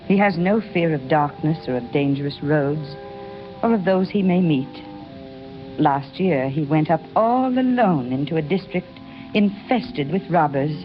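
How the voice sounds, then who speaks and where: Casting: devoted elderly sister, gentle and earnest, mid pitch, music under, dull vintage radio sound. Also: female voice. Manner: gentle, earnest letter reading. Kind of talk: 1930s radio acting. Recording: muffled old radio broadcast.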